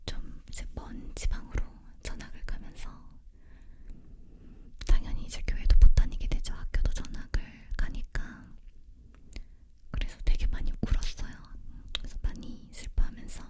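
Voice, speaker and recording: A woman leaning in to whisper an ASMR story in a breathy, unvoiced voice, very close to the microphone. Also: moderate pace. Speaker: ASMR creator telling a personal story.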